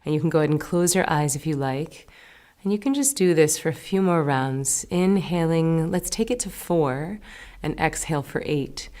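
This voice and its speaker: A woman meditation teacher guiding a breathing meditation in a slow, soothing, gentle way, sometimes dropping to a soft whisper. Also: sits low. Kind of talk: guided meditation.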